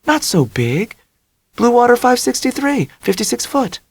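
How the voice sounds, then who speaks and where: A man's voice: extremely high pitch, big pitch swings, a little slow, creaky, no echo, voice pushed up, exaggerated voice. A man voicing an ebullient, quirky young blonde woman who talks in a bubbly, confident way. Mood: breezy.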